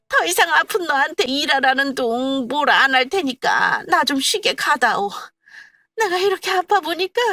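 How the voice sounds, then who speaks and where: A woman's voice: high voice, pushed and bright, no echo, clean studio sound, pitched above the performer's own voice, full character voice. A woman voicing a stubborn, self-pitying older mother-in-law who whines and scolds. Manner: whiny, scolding, later pleading.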